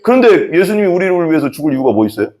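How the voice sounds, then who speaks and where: A man in his thirties preaches as a pastor in a slightly high voice, racing along in a lively way. He acts out quoted inner thoughts and laughs as he does.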